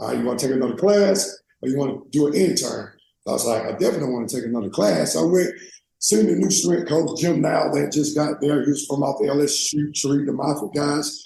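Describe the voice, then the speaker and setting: The speech comes at a very fast pace with lively intonation. Vocal fry runs through it. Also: man. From Mississippi. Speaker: college speed coach. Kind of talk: podcast interview.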